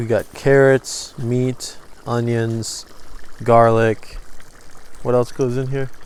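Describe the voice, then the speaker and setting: Over noticeable background noise, a man with an American accent speaks at a very slow pace in a medium pitch, with monotone, flat intonation and long, frequent pauses. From United States. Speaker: travel vlogger. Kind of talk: vlog narration. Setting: outdoors at a country house. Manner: casual, with fillers.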